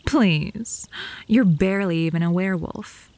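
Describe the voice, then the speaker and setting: A woman's voice: lowish voice, a little slow, darkish tone, dry recording. A woman playing a possessive, lovesick, bratty vampire in a comedic ASMR roleplay, haughty and theatrical, by turns flirty and threatening.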